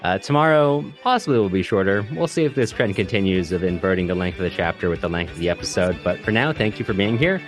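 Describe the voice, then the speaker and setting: A man's voice: deep voice, lively intonation, fast talker, few pauses, over music. A man co-hosting a book discussion podcast in a casual, chatty style, sometimes reading aloud. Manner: reads listener comments aloud. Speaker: podcast co-host.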